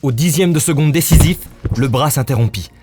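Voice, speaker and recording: A man's voice: a little high, a little fast, darkish tone, husky, soft background music. A man reading scripted, dramatic story narration as the narrator.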